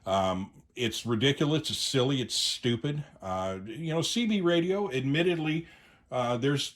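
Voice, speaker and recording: A middle-aged American man giving an unscripted, conversational opinion monologue to viewers, with hesitant phrasing and frequent pauses. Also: medium pitch. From United States. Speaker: YouTube host, amateur radio enthusiast.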